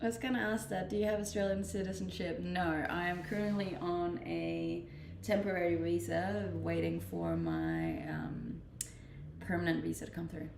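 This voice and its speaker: A young Danish woman with a lowish, creaky voice chats casually with her stream viewers at a normal speed, reading their questions and laughing easily. She's indoors in a rented house, and the sound is roomy with a noisy background.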